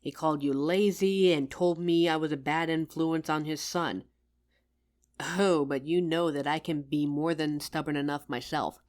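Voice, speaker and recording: A devoted working wife, acted out by a woman, speaks in a fairly low voice. Her delivery is tender and conversational, with a teasing edge, in the close, personal style of a scripted roleplay monologue for one listener. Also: steady tone, moderate pace, a little mellow, natural voice. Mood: earnest, affectionate. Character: loving, tired career-woman wife talking to her househusband.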